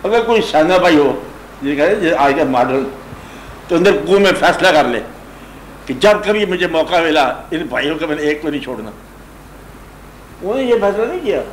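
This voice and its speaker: A man's voice: fairly high pitch, expressive, pauses often, slight background noise. A man teaching a gathering in a conversational religious discourse, retelling a story and often asking whether his listeners have understood. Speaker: spiritual teacher addressing a gathering. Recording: echoey room with faint ambience.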